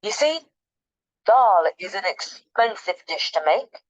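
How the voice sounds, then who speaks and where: A woman's voice: mid-range voice, lively intonation, takes it slowly. A woman voicing a crafty, boastful poor woodman who talks in a sly, coaxing way. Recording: dull lo-fi recording.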